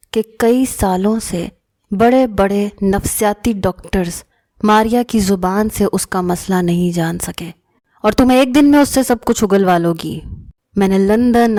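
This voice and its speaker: A woman narrating a first-person story in a calm, measured storytelling manner. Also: medium pitch, no echo, studio quality. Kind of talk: scripted narration.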